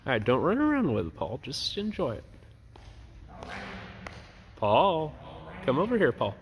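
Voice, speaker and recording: A man flying indoor model planes in a large gym, giving low-key, chatty running remarks into a handheld camera. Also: wildly swooping pitch, a little slow. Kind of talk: casual commentary while flying.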